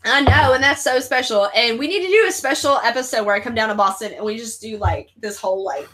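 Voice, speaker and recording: Woman host near thirty, crude jokester, bright voice, high and bouncy. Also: animated, quick pace. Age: 30s. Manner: crude, joking, reads chat comments aloud. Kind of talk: casual watch-along chat.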